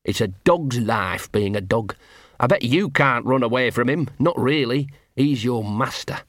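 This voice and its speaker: A scruffy little talking dog, put on by a male reader, nervous and streetwise. He rambles in circles with cheerfully broken grammar, voice pitched a little up. Dry, close storybook sound. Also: lively intonation, a little slow, a bit bright, no room sound. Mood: rambling, nervous. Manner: rambling, ungrammatical, wheedling.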